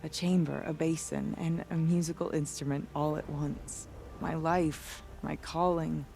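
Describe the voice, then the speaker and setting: A woman's voice: sits low, little pitch movement, measured pace, creaky, mellow, faint music behind. A woman acting a solemn, wistful tribal drummer in a video game, speaking in lyrical, resigned phrases. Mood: mournful.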